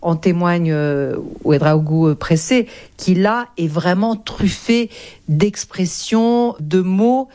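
Hesitant woman interviewer, low voice. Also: warm tone. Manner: hesitant, with frequent pauses and fillers. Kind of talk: radio interview.

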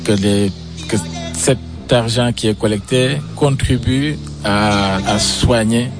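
A man's voice: mid-range voice, slow pace, over music. A man from Senegal answering radio interview questions, hesitant, with frequent restarts. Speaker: interviewee, sports business founder.

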